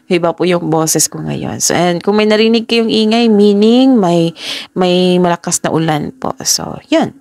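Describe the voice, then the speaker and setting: A woman from the Philippines giving a casual tarot reading to camera, stuffy with a cold, talking in a chatty, halting way with frequent pauses. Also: lowish voice, lively intonation, gravelly, darkish tone, dry recording. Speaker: tarot reader.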